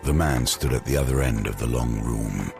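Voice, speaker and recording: A man playing the grave, ominous narrator of a gothic audio drama, deliberate and given to dramatic pauses. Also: very deep voice, vocal fry, music in the background.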